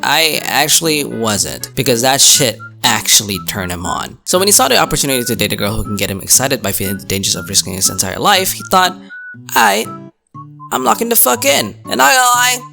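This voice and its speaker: A man's voice: medium pitch, very animated, a little fast, creaky, hardly any pauses, over music. A man narrating a comedic scripted story recap in a sarcastic, crude, sweary way. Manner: sarcastic, crude, swearing, puts on character voices. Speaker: YouTube manga recap narrator.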